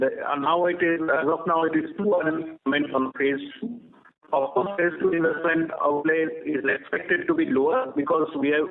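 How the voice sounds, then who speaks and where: A man answering analysts as a company executive on an earnings call, cautious, halting and formal. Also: a little high. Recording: narrow phone conference line.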